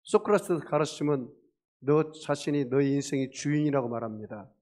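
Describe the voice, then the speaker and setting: A man preaching a sermon as pastor, telling stories, questioning the congregation and acting out loud cries for help. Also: on the high side, a little fast. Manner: storytelling with acted shouts and audience questions.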